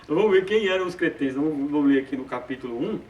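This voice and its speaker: Guy teaching bible study, kinda high voice, stumbles on fillers a lot, far off mic in an echoey room. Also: expressive, fast, a little mellow, slight background noise. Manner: hesitant, repeats filler sounds, chuckles often. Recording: roomy sound from a distant mic.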